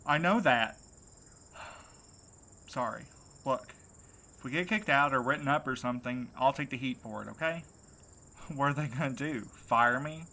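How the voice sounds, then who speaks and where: Man playing an earnest, determined man, bright-voiced. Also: medium pitch, measured pace, long pauses. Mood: determined, tense. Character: determined, anxious young man set on rescuing his friend. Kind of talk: naturalistic audio drama acting.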